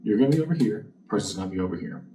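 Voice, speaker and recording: A low-voiced man gives a casual tarot reading in a mellow, relaxed tone. He is conversational and reflective, recorded a little away from the mic. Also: racing. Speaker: tarot card reader and channel host. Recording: distant mic with faint background noise.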